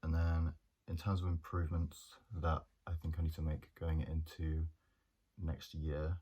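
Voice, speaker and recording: Very deep monotone young man. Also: a little slow, slightly rough. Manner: hesitant, many ums and restarts. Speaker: journalism student. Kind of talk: casual reflective monologue.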